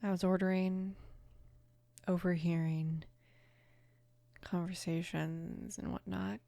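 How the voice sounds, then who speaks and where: In an intimate ASMR roleplay, a woman of about twenty voices a mafia boss's protective, laid-back daughter, speaking softly and unhurriedly and often dropping into a whisper. Her tone is level, calm, and confiding, a breathy whisper mixed with low murmurs, hesitant with small pauses. The close microphone gives a dry sound with no room ambience.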